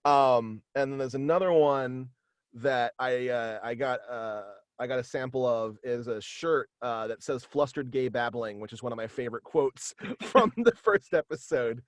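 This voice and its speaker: A young man talking casually as an interview guest, in a halting, rambling way over a video call. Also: medium pitch, no echo. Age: young adult. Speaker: guest, voice actor and podcast creator. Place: small room at home, video call.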